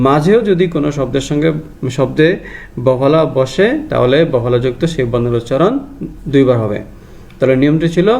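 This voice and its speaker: Guy teaching grammar rules with a bangladeshi bengali accent, a bit high, mellow tone, goes over each point again. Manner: methodical, repeats each rule slowly. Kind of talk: grammar lesson to students.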